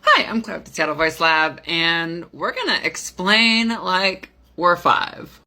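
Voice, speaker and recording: A young woman voice coach explaining vocal technique in a casual, demonstrative way, switching into falsetto and chest voice. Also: slow pace, pushed and bright. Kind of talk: explaining vocal technique simply with sung examples.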